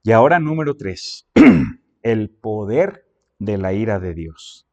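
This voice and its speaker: A man's voice: fairly low pitch, sing-song, slow pace. A man preaching a sermon as pastor. He reads scripture aloud and counts off his points, repeating phrases for emphasis.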